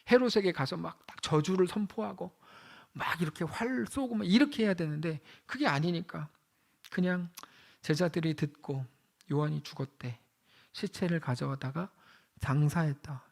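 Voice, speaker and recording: Male pastor preaching, high voice that jumps all over, chatty with the congregation. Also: creaky. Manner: conversational, asks the congregation questions; animated, swings from loud to hushed. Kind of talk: sermon.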